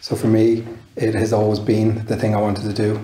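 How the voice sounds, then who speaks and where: A man with an Irish accent, fairly low in pitch and very fast in pace, amid light background noise and audible room echo. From Ireland, Wicklow. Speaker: visual artist. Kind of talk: interview. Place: studio.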